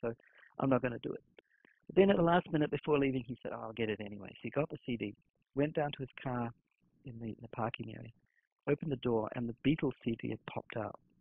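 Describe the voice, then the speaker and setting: A man with a New Zealand accent, very fast in pace yet with long, frequent pauses, medium in pitch, with ordinary pitch variation. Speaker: yoga monk and meditation instructor. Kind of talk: interview answer. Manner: casual storytelling.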